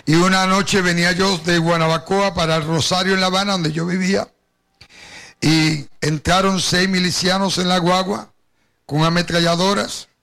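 A man's voice: high voice, level tone, normal speed, vocal fry, bright, forceful tone. An older man from Puerto Rico with a Caribbean Spanish accent tinged with Cuban, preaching a personal testimony and addressing his congregation directly as he tells his story. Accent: Caribbean Spanish, Puerto Rican with Cuban influence.

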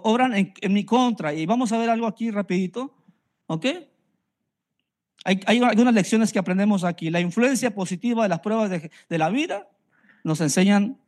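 Earnest high-voiced man preaching. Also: darkish tone. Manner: earnest, repeats phrases for emphasis. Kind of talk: personal testimony sermon.

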